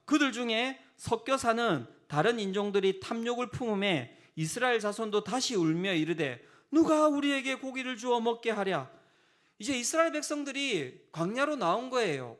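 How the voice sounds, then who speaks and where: A man's voice: high-pitched, a bit bright. A man preaching a sermon as pastor, telling the story with humor and acting out quotes in exasperated voices.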